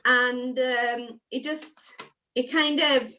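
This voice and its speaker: A woman from Sweden talking casually as a craft show guest over a video call, chatty with many fillers and soft asides. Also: high-pitched, steady tone, extremely slow. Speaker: guest designer. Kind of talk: casual chat while crafting.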